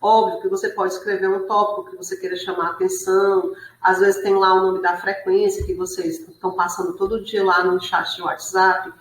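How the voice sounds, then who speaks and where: A woman's voice: mid-range voice, little pitch movement, brisk. Woman teacher explaining a lesson, keeps asking "right?", echoey room. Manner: explanatory, frequent tag questions. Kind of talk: online class lecture. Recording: roomy echo.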